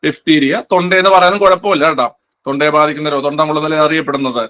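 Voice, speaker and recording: A male teacher runs an online quiz class for exam aspirants. His voice is bright and sits a little high, and he repeats every answer, often answering his own questions. He talks in a casual classroom manner. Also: fairly even intonation, racing.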